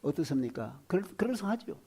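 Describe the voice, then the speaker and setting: High-voiced male pastor preaching dramatically. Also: sing-song, fairly quick, husky. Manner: dramatic swings from loud exclamations to hushed whispers; preaching with rhetorical questions to the congregation. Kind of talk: sermon.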